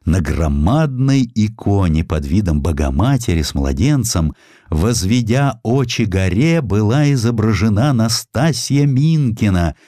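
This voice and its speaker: A man narrating a historical sketch as an audiobook, in an expressive, theatrical storytelling manner. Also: fairly low pitch, measured pace, no room sound, clean studio sound. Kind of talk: dramatized reading of a historical sketch.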